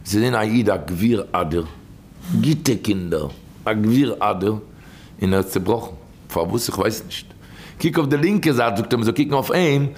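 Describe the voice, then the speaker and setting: A man giving a storytelling sermon about a Hasidic teaching, repeating key phrases with emphasis and sudden rises and drops in pitch. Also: animated, normal speed, a little mellow.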